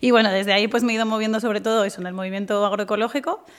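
A woman speaks with ordinary pitch variation. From Madrid, Spain. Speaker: ecologist activist and researcher. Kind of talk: panel debate. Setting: live event with audience. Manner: fast.

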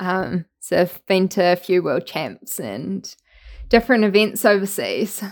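At a fairly slow pace, a woman with a New Zealand accent speaks at medium pitch with vocal fry and ordinary pitch variation. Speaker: PhD student in atmospheric science. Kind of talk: casual interview explaining research.

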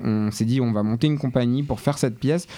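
Against a quiet background, a man with a dark, mellow tone speaks with ordinary pitch variation. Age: 20s. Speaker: actor and playwright. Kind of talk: casual interview.

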